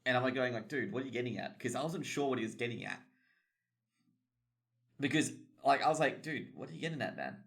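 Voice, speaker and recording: A man's voice: mid-range voice, lively intonation, quick pace, pauses often, fairly bright tone. A young Australian man, an esports caster, chatting casually about tournament news, rambling with lots of fillers and swearing. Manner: rambling, swears a lot, heavy filler words. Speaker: esports caster and streamer host.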